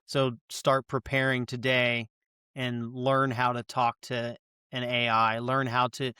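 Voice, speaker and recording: A man speaking as a podcast guest, enthusiastically giving advice and quickly agreeing with the others. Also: mid-range voice, flat delivery, bright, forceful tone, clean tone, no room sound, studio quality. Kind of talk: casual podcast chat.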